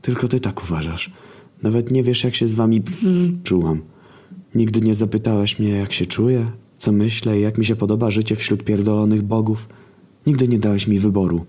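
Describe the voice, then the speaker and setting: A man's voice: on the low side, normal speed, warm tone, pitched above the performer's own voice, lightly acted. A man voicing a resentful woman who speaks bitterly over a speakerphone. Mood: reproachful. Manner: bitter, reproachful.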